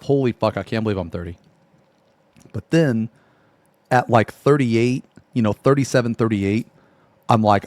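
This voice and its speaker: A man in his late thirties chats casually on a live stream, reading out viewer messages, laughing a lot, and trailing off with a long, drawn-out "man." His voice is medium in pitch, and the recording is dry.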